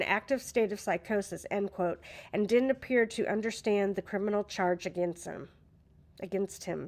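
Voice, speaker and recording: A woman's plain, everyday voice, fairly high in pitch, at a moderate pace with fairly even intonation, on a very clean recording with a silent background. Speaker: true crime livestream host. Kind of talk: reading news articles aloud with commentary. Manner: stumbles and repeats words while reading.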